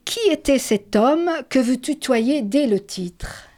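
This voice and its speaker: Female book interviewer, mellow, slightly high, dry close sound. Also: lively intonation, slow, a little hiss or hum. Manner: reads quotations aloud, warm praise. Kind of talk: literary interview.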